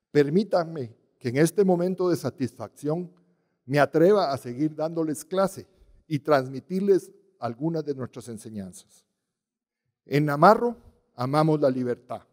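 A man gives a solemn, measured ceremonial address from a podium, leaning on emphatic pauses. His voice sits fairly high but sounds dark and mellow. The podium mic carries a long hall reverb. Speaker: university rector. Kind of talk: formal ceremonial speech. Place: large dark auditorium stage at a podium. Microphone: podium microphone.

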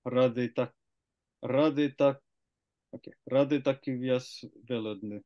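A young man with a Finnish accent, a native Finnish speaker, hosting a casual interview over a video call and slowly trying out new words. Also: medium pitch, steady tone, muffled recording. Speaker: podcast host. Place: small room indoors.

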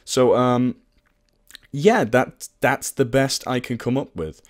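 A man presenting a casual software tutorial in an informal, self-deprecating, sweary way. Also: medium pitch, slow pace.

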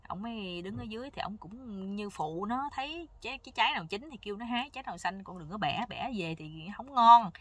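A woman telling a comic folk tale in a casual, lively way, acting out the characters' lines. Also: mid-range voice, a little fast, few pauses. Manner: lively, playful, acts out every character's lines. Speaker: storyteller. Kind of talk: casual spoken folk joke storytelling.

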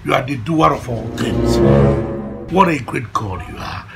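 A man's voice: medium pitch, lively intonation, unhurried, creaky, over loud music. Pleading, dramatic devout Nigerian father. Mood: pleading, fervent. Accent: Nigerian Igbo. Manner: theatrical, repetitive, pleading, mixes English and Igbo. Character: devout older father, dramatic repentant sinner, easily indignant. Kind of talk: comedy film acting with loud pleading prayer.

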